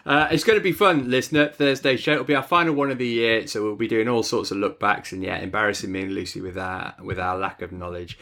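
A man's voice: lowish voice, steady tone, quick pace, few pauses, sharp tone. A man presenting a casual football podcast as host, chatty and lightly self-deprecating in a jokey way.

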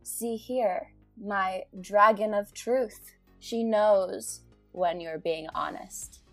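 A woman's voice: mid-range voice, extremely slow, fairly bright tone, dry recording, faint music behind, heavily acted. A woman voicing a bold young girl who plays at being a knight and makes grand, theatrical pronouncements. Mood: grandiose.

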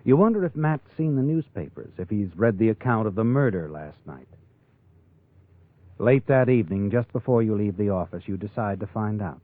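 A man's voice: fairly low pitch, expressive, normal speed, dry recording. An actor playing a sly, ominous male narrator who taunts a guilty man in a 1940s radio drama. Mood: insinuating. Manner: insinuating, taunting tag questions. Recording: tinny vintage radio broadcast. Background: dramatic music.

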